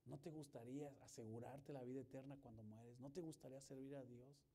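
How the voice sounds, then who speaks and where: A male pastor preaching a sermon, swinging from loud emphasis to hushed storytelling and acting out the dialogue he quotes. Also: medium pitch, fairly even intonation, a little fast, breathy edge. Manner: acts out quoted dialogue in his telling.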